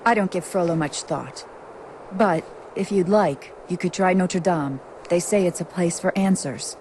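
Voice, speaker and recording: A woman's voice: fairly low pitch, unhurried, lightly acted. An actress playing a proud, kindly young gypsy woman in a video game, composed, frank and defiant. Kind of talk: video game cutscene dialogue. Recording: game audio with clear background noise.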